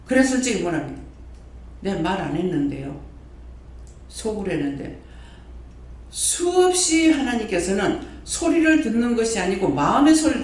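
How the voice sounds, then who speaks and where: A male pastor, preaching a sermon with animated repetition and frequent questions to his congregation. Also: high-pitched. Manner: animated preaching, repeats phrases, quizzes the congregation. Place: church prayer hall. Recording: very echoey hall, mic far off.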